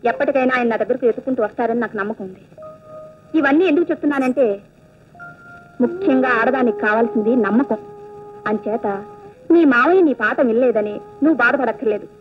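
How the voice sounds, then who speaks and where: Chatty aunt figure, played by a woman: high-pitched, matter-of-fact, scolding, on a dull lo-fi film track. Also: quick pace, long pauses, close to an everyday voice. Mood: confiding. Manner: chiding, talkative, matter-of-fact. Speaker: aunt of the heroine. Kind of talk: 1980s Telugu film dialogue.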